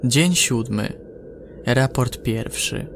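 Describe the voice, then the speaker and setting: A man narrating a scripted sci-fi horror audio drama in a measured way with dramatic pauses. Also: mid-range voice, gravelly, background noise.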